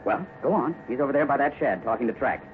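A man's voice: mid-range voice, animated, fast, lightly acted. An actor playing a stern, fatherly cowboy who speaks firmly in a 1950s radio western, on a scratchy, tinny recording. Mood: stern, scolding. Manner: firm, scolding, fatherly. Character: stern, upright cowboy foreman, fatherly to a boy.

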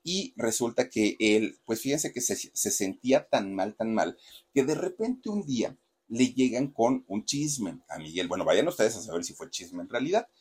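A man's voice: medium pitch, very animated, moderate pace, a little mellow, slightly rough. A man telling celebrity gossip in a chatty, dramatic way, talking straight to the viewers. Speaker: host. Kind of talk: gossip storytelling.

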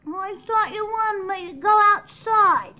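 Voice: very high voice, animated, muffled recording. Odtwórczyni roli małej, marudnej i dosłownie wszystko rozumiejącej dziewczynki w komediowym słuchowisku radiowym z lat 50., mówi po dziecinnemu i natarczywie. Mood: puzzled, innocent. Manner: childish, drawn-out calling and insistent questions. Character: whiny, literal-minded little girl, loud and pestering. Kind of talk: 1950s radio comedy acting.

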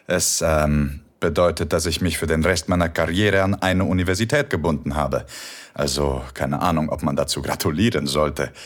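A man playing a laid-back professor, very deep. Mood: easygoing. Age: middle-aged. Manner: easygoing, wry, unhurried. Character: relaxed, self-mocking male philosophy professor. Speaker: tutor. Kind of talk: erotic audio drama acting.

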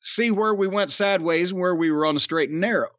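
A man's voice: high-pitched, fast talker, fairly bright tone, dry recording. Man, middle-aged, drawling storyteller, slightly muffled recording. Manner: drawling, storytelling, quizzing his co-host. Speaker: podcast host. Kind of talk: casual wrestling podcast chat.

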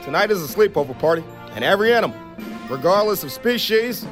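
A woman's voice: mid-range voice, animated, quick pace, music in the background, natural voice. Woman doing a pompous orating tomcat. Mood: rousing. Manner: pompous, declamatory. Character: male house cat making a grand rallying speech.

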